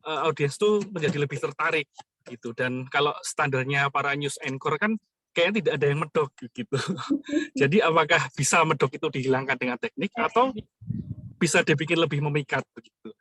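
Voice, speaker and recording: A man with a Javanese accent puts a question to the trainer, pausing on "eh" as he searches for words. His voice is fairly high and bright, and the sound is close and dry. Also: husky, no room sound, rough recording. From Java. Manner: hesitant, many filler "eh" pauses. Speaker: student asking a question.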